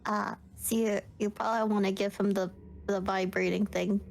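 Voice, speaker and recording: A woman's voice: mid-range voice, flat delivery, moderate pace, creaky, slight background noise. A woman playing a tabletop role-playing game, improvising casual dialogue in an informal, hesitant way.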